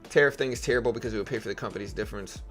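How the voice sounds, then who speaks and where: A man with a raspy voice hosting a live trading stream, chatting casually with viewers and reading news aloud in a rambling, think-aloud way. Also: lowish voice, rapid-fire, soft background music. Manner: rambling, thinks aloud and asks chat questions.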